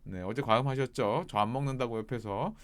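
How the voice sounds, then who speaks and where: A man's voice: medium pitch, brisk. A middle-aged man, a coach, talking casually to viewers, chatty and shifting between jokes and earnest advice. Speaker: life coach. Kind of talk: casual reflective talk to viewers.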